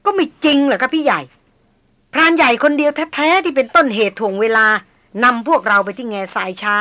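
A hot-tempered young noblewoman in a storybook voiced by a woman narrator presses with pointed questions and indignant complaints. Her voice rings bright and sharp. She is quick to anger and easily worried. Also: high-pitched, animated, voice pushed up.

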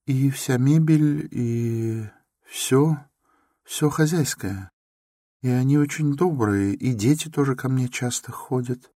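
A man voicing a timid, meek young woman who pleads softly and grows breathless in distress. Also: medium pitch, takes it slowly, no room sound, studio quality, pitched above the performer's own voice.

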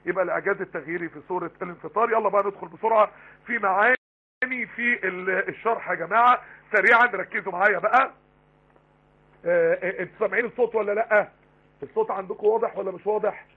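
Rapid Egyptian preacher, tinny online stream. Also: male voice, sits high, breathy edge. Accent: Egyptian Arabic. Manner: rapid, emphatic, rhetorical questions. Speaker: Quran teacher. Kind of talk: live online Quran lesson. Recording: tinny phone-line broadcast.

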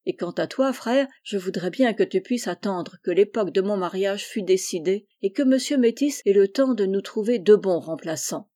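A woman voicing a sensible young man, the elder brother, speaking in a measured way. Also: medium pitch, lively intonation, mellow, close to an everyday voice. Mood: calm.

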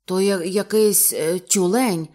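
A woman voicing a young man who tries to sound brave and calm, gruffly reassuring yet a little unsure. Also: medium pitch, normal speed, natural voice.

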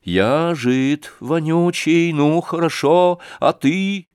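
A man's voice: medium pitch, sing-song, very slow, darkish tone, dry recording, studio quality. A man voicing a small comic fiddler who speaks weightily and with command. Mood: mocking.

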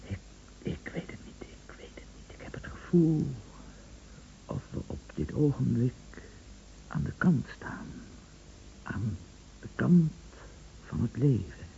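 An actor playing an anguished bedridden husband in a Dutch radio play, brooding and halting, often repeating his words and dropping to whispers. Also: mid-range voice, lively intonation, creaky, dark tone. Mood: despairing, brooding. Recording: dull, noisy old radio recording.

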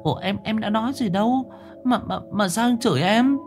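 A shrill, stammering young woman pleads her innocence in a spoken ghost story, put on by a man. Her voice climbs well above his own. She trips over her words as if close to tears. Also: brisk, faint music behind. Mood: pleading.

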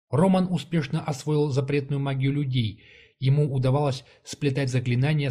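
A man narrating a fantasy novel as an audiobook, in an even, measured reading style. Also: medium pitch.

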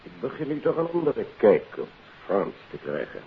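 On a narrow old radio recording, a pondering male investigator. His fairly low voice moves with lively intonation as he gropes for words in 1950s drama style. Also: normal speed, background noise. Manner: hesitant, searching for words.

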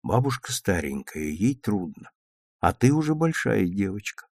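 A man voicing a quiet, reassuring mother in a storybook reading. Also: medium pitch, very animated, moderate pace, no echo, studio quality. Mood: gentle. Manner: soft, reassuring. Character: gentle quiet young mother.

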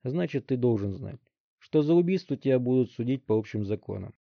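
A tough, cynical police chief, voiced by a male reader, near the narrator's own mid pitch. He speaks in clipped, blunt lines. The recording is dry and a touch dull. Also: expressive, brisk, creaky, no room sound. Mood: hard. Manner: curt, hard, blunt.

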